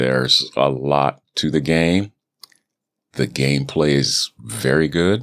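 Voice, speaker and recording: A man with a very deep, low pitch speaks in a relaxed tone with vocal fry. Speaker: aspiring voice actor podcaster. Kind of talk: casual podcast monologue. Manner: relaxed, conversational with fillers.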